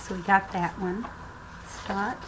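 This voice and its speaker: A woman's voice: mid-range voice, steady tone. A woman narrating a casual craft tutorial, thinking aloud as she works at a table at home, her voice sometimes turning away from the camera mic. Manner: slow, thinking aloud while working. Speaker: craft vlogger. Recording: audible background noise.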